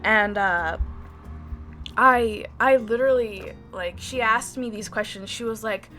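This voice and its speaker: A woman with a fairly high-pitched voice narrates her day at a measured pace for a storytime vlog, background music underneath. As an artist vlogger, she tells it animatedly, acting out other people's lines. She uses "like" heavily and restarts often in small ways.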